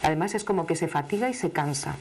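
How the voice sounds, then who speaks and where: A middle-aged woman from Asturias with an Asturian accent and a low, deep voice, doing a live studio tarot reading. She talks to the caller emphatically and familiarly, with chatty warmth in her words. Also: animated, fast talker, slight background noise. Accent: Asturian Spanish. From Asturias, Spain. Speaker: television tarot reader. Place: television studio. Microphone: studio microphone, seated at desk.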